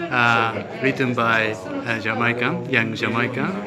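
A very slow delivery in a Japanese accent over loud background noise. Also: man. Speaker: ambassador. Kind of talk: interview answer. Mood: friendly, smiling. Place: hall. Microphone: phone near.

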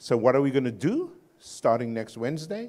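With a South African accent, a man speaks in very wide pitch swings over a quiet background. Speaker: education professor giving a keynote. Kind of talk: keynote lecture. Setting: stage with audience. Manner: animated; humorous. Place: hall. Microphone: handheld.

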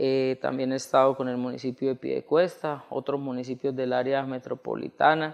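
Against a quiet background, a man with a medium pitch keeps a moderate pace and a monotone, flat intonation, hardly pausing at all. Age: 30s. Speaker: mayor. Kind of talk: interview. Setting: studio. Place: studio. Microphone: lapel.

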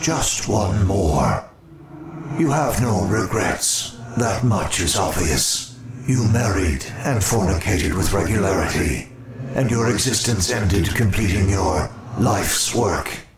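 Putting on a character voice, a man speaks at a fairly slow pace with a fairly low pitch. Clear background noise can be heard. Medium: audio drama. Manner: calm, clinical.

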